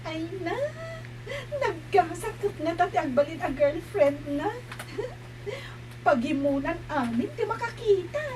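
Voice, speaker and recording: A woman speaking in a slow, drawn-out way in an Ilocano audio drama. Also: very high-pitched, lively intonation, darkish tone, slight background noise, poor audio.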